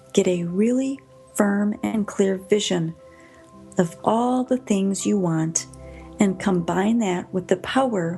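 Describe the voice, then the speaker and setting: A woman's medium-pitched voice in a calm, soothing tone, at a very slow pace with ordinary pitch variation, over background music. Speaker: radio host and guided meditation guide. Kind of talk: guided meditation narration. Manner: calm, slow, soothing.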